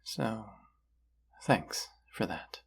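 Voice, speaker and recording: Man acting a husky, very gravelly young romantic crush. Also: lively intonation, in a whisper, exaggerated voice. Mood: tender, confessing. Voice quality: husky, breathy, gravelly low voice. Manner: slow, hushed, teasing, trailing pauses. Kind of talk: intimate romantic audio roleplay.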